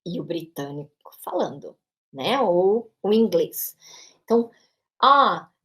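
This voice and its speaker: A woman's voice: on the low side, very animated, takes it slowly, fairly bright tone. A woman teacher with a São Paulo interior Brazilian accent walks through a pronunciation lesson. Her tone is explanatory and patient, and she keeps checking in with short tag questions. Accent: São Paulo interior Brazilian Portuguese. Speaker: English teacher.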